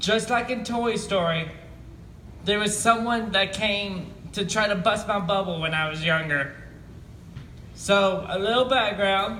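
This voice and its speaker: A man's raised, projected voice at a fairly slow pace, with ordinary pitch variation, long, frequent pauses, audible room echo and noticeable background noise. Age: young. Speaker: motivational speaker. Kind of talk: motivational speech. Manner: halting.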